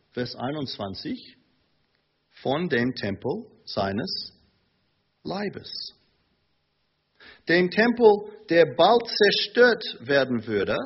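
Preacher, male, lively pitch, muffled lo-fi sermon tape. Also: slightly rough. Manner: slow, emphatic preaching with rising intensity; hesitant fillers between phrases. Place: church in Munich. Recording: dull lo-fi sermon recording.

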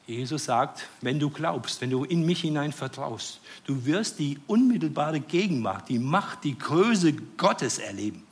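A man preaching a sermon, earnest and fervent, rising to joyful excitement with hesitant restarts. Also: on the high side, unhurried, few pauses. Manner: earnest, rises to joyful fervor.

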